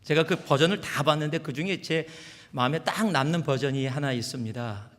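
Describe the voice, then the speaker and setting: A middle-aged man from Chungcheong preaching a sermon as pastor, swinging from loud exhortation to hushed whispers. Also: fairly high pitch, fairly quick. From Chungcheong, South Korea. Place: large church sanctuary. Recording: long church hall reverb.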